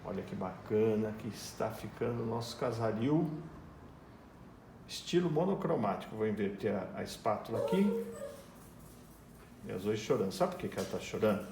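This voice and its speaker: His voice is on the low side and creaky, very animated, at a moderate pace with frequent pauses. He's a man with a Brazilian Portuguese accent chatting casually through a step-by-step painting lesson in his home garage, explaining as he works and talking to his whining, barking dog. The room is echoey and there's background noise.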